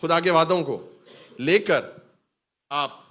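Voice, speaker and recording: A male pastor preaching a sermon in a church hall, emphatic, swinging between soft talk and loud calls of hallelujah. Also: a little high.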